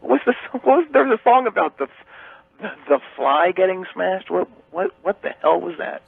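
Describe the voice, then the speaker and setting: Heard over a thin phone line on air, a male caller needles the host in mock-bossy radio banter. His voice is high and husky with vocal fry, big pitch swings and a fairly quick pace, with no room sound.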